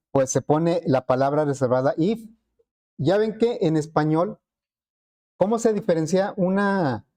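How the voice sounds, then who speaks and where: A man's voice: a little high, dark tone. A man teaching a programming class, explaining step by step and asking the students rhetorical questions. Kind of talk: classroom lecture.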